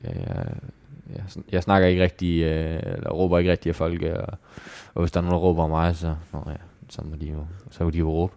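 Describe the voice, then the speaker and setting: A man gives interview answers in a deep, smooth, resonant voice. He speaks calmly and modestly, often pausing and restarting his sentences. The sound is dry and close. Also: dry recording. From Jutland, Denmark. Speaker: professional cyclist.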